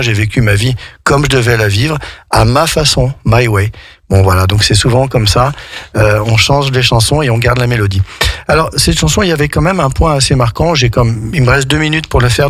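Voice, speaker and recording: Man, radio English teacher, husky voice, dry close studio sound, chatty explanations with hesitations. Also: medium pitch, a bit bright, dry recording. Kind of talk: radio language lesson.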